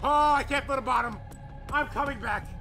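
Young black american guy, african american accent, high bright voice, nervous excitable vlogging outside, keeps repeating himself. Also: a little fast, faint music behind. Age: 20s. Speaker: vlogger testing a homemade boat. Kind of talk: excitable casual outdoor vlog chat. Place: outdoors on a wooded pond.

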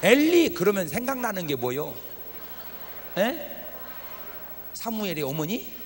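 Bright, lively-pitched male revival preacher. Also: measured pace, slight background noise. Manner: humorous, teasing the congregation with questions. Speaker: pastor. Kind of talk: revival meeting sermon. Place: church hall at a revival meeting. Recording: reverberant hall from a TV broadcast.

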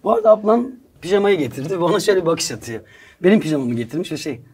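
Fast-talking high-voiced man telling comic stories. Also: slight background noise. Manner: animated, laughing often while telling stories. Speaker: podcast guest storyteller. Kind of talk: comic storytelling in casual chat. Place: studio with live audience. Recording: studio audience laughing loudly.

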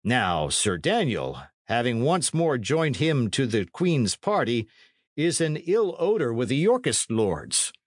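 A man's voice: medium pitch, big pitch swings, slow pace, dry recording, clean studio sound, voice pushed up. A man voicing a portly middle-aged priest in an audiobook, fretful and scholarly, with pompous, exclamatory archaic speech. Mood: deliberating, pompous.

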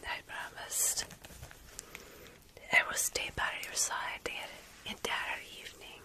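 Woman playing a slow, whispering motherly vampire. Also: sharp tone. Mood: calm, instructive. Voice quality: breathy unvoiced whisper. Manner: slow, soothing, formal phrasing. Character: motherly, protective female vampire mentoring a nervous fledgling. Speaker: ASMR creator in roleplay. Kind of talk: whispered ASMR roleplay.

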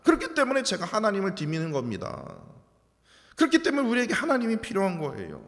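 A male pastor preaching in a high, very lively voice that climbs and plunges as he asks question after question. He sometimes sinks to a near-whisper for emphasis. His words trail off into a long reverb, as in a sanctuary. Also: fast. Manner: animated preaching with rhetorical questions, sudden drops to near-whisper. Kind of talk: sermon. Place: church sanctuary.

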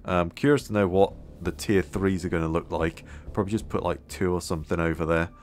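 Hoarse deep-voiced man gaming. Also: a little fast, a little hiss or hum. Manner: relaxed, musing aloud, many fillers. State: hoarse, losing his voice. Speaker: gameplay video host. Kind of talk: casual gameplay commentary.

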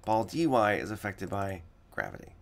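A man with a low, gravelly, slightly raspy voice walks through a coding lesson at his desk. His pitch moves a lot as he explains each step, and he circles back to repeat the key points. Keyboard typing can be heard behind him. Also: big pitch swings, normal speed. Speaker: coding teacher. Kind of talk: screen-recorded coding tutorial.

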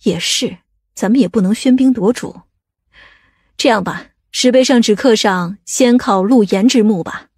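A woman playing a practical, inquisitive sister in an audiobook family drama, measured and straightforward. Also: fairly high pitch, a little mellow, husky, dry recording, studio quality.

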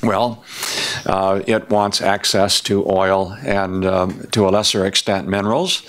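A man's voice: deep voice, flat delivery, a bit bright. An older man speaking as a panelist at a conference table, laying out his points methodically in a prepared policy talk. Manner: measured, methodical, enumerating points.

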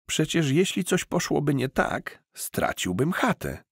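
A man voicing a naive, doubtful young man in an audiobook, speaking in a slow, wary, questioning way. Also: on the high side, big pitch swings, slightly rough, no room sound, clean studio sound, pitched above the performer's own voice, full character voice.

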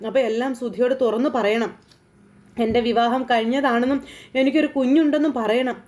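A woman's voice: a little high, fairly even intonation, brisk, a little mellow, lightly acted. A woman voicing a bossy young woman who scolds and urges her friend. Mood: scolding. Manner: scolding, insistent.

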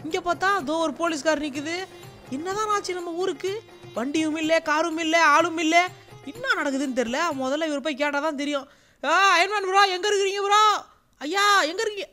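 Animated woman doing comic game role-play narration; bright, sharp voice. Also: very high-pitched, fairly quick, faint music behind. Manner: animated, exclaiming, calling out. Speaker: gaming channel narrator.

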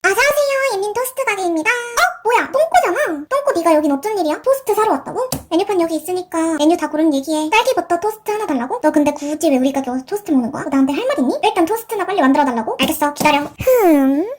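A woman's voice: extremely high pitch, lively intonation, fast talker, few pauses, background noise. A woman doing paper-doll role-play, playing a shop owner who indignantly echoes an unheard friend's words back as questions, and chatting through each step of making the treats.

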